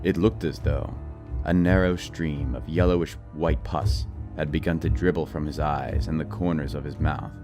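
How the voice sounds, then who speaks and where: A man's voice: a bass voice, steady tone, normal speed, warm tone. A man narrating a scripted horror audiobook in a dramatized, storytelling style. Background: music.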